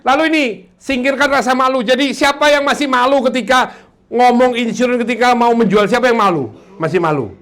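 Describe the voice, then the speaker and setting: A man giving a joking, lively motivational training talk to insurance sellers, acting out client dialogues. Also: very high-pitched, fairly quick.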